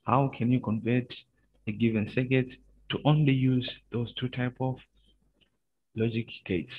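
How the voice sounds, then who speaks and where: Halting lecturer on a screen-recorded call. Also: male voice, mid-range voice, steady tone, a little hiss or hum. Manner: slow, halting, many pauses and filler sounds. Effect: screen-recorded video-call audio. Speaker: university lecturer. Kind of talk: online lecture over shared screen. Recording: narrow, phone-like video-call audio.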